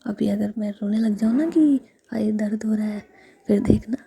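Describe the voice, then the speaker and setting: Playful injured young woman, breathy whisper; the woman narrator doing her lines. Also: mid-range voice, normal speed, mellow.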